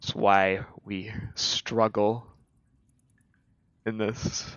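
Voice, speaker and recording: Growling in a put-on character voice, a man holds a fairly low pitch with monotone, flat intonation. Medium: actual play. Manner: contemptuous, growling.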